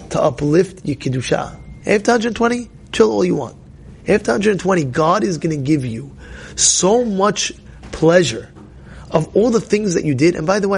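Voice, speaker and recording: High, gravelly rabbi preaching with fervor. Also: male voice. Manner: rises to emphatic near-shouts, repeats key phrases, asks and answers himself. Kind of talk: energetic Torah class.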